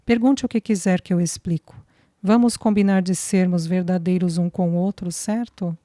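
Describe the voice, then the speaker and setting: A woman reading the lines of a tender young man in love, in a soft, earnest, reassuring way. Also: fairly low pitch, steady tone, normal speed, no echo, clean studio sound, lightly acted. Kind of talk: audiobook dialogue reading.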